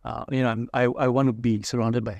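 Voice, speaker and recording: A man from Indonesia talks through his views as a guest in a casual interview. His voice has a gravelly edge, and the recording is dry and close. He thinks aloud, with fillers and frequent "right?" checks. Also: medium pitch, flat delivery, fairly quick, a little mellow, dry recording, muffled recording. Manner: reflective, many fillers and "right?" tags. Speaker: entrepreneur guest.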